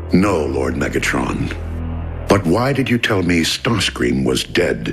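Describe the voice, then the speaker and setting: Over loud background music, a man performs a cartoonish character voice with a very deep, low pitch at a fairly slow pace. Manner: formal, earnest.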